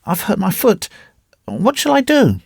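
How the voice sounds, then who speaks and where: A man's voice: high voice, huge pitch swings, moderate pace, gravelly, darkish tone, slightly rough, no room sound, studio quality, pitched above the performer's own voice, heavily acted. A man voicing a plaintive, fretful young woman in pain, in a storybook reading.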